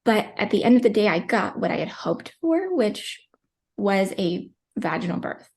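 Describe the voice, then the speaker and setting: With a sing-song lilt in her mid-range voice at normal speed, a young podcast guest in her twenties tells the story of giving birth. She's chatty and emotional, using many fillers and a lot of "like," and sometimes gets tearful.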